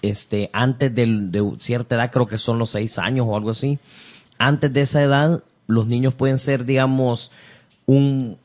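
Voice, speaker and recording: A man's voice: medium pitch, steady tone, measured pace, darkish tone. A man, co-hosting a casual radio chat and explaining things at length.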